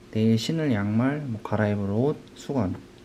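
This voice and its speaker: A man talking at a fairly slow pace, with noticeable background noise. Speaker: vlogger, office worker. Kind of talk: vlog narration. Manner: casual, chatty.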